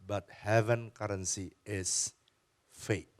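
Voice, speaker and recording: This pastor's voice sits fairly low, and he preaches slowly in church. His sermon is full of lively storytelling, and he talks directly with the people in the pews.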